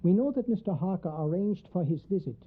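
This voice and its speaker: A woman playing a grave, commanding professor who hunts vampires, speaking formally and deliberately in a radio drama. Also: on the low side, expressive, breathy edge. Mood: grave, explanatory. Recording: tinny, narrow band like phone line.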